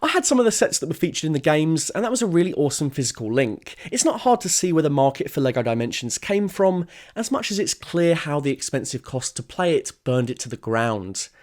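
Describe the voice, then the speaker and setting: A man's voice: fairly high pitch, sing-song, a little fast, hardly any pauses, darkish tone. A young man narrating a scripted video essay in an enthusiastic, wry, conversational way. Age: young adult. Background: background music.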